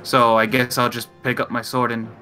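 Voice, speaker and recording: A man's voice: medium pitch, level tone, moderate pace, bright, forceful tone, faint music behind. A man speaking casually as a player in a tabletop roleplaying game. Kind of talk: casual chat during a game.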